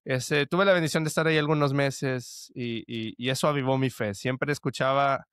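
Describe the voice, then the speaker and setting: Guy sharing his faith story on a podcast, smooth voice, dry close mic. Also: medium pitch, steady tone, moderate pace, fairly bright tone, no echo. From El Salvador. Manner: earnest, with frequent restarts and fillers like "este". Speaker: guest. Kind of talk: conversational testimony.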